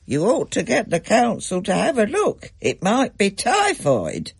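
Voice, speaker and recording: A man's voice: sits high, huge pitch swings, measured pace, creaky, slightly rough, no room sound, pitched above the performer's own voice, full character voice. A man voicing a fussy, sniffy grandmother who fears the worst. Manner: sniffy, alarmist.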